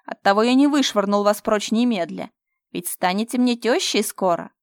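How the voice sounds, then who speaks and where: A woman voicing a cruel, domineering young man who shouts threats. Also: fairly low pitch, fast talker, no echo, natural voice. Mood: menacing.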